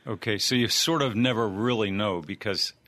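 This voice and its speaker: A man's voice: lowish voice, moderate pace, sharp tone. A man hosting a Christian radio program, asking friendly, leading interview questions.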